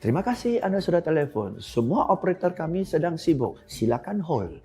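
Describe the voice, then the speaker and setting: A man mimicking a flat automated phone-menu voice. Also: a little high, slightly rough, faint music behind. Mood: mock formal. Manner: rattles off menu options quickly. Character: automated male phone-queue recording, flat and repetitive.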